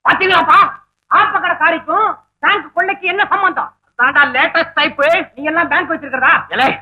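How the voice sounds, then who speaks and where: An actor playing a brash young troublemaker in a 1960s film comedy, talking excitedly and bursting into shouts. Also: male voice, extremely high pitch, a little fast, lo-fi sound. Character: brash cheeky young man, loud comic troublemaker. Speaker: comic young man confessing to a theft.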